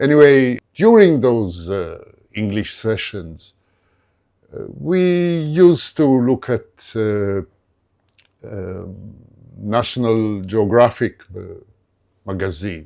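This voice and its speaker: In a very clean recording with a silent background, a man with a non-native accent and a dark, mellow, medium-pitched voice speaks at a very slow pace, with very wide pitch swings, big swings in loudness, and long, frequent pauses. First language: not English. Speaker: photography youtuber and biologist. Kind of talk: casual vlog monologue. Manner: hesitant, many filler uhs.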